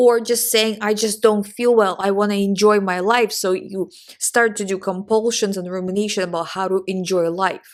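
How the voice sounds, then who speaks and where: A woman in a Ukrainian accent, medium-pitched, fairly slow, with fairly even intonation. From Ukraine. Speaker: OCD recovery coach. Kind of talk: educational talk to camera. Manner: casual, conversational with fillers.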